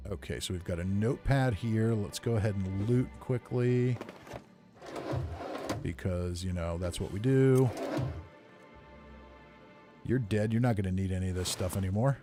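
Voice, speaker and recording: A man's voice: on the low side, moderate pace, pauses often, music in the background. A man giving easygoing, casual game commentary, thinking aloud as he plays. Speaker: gamer narrating playthrough.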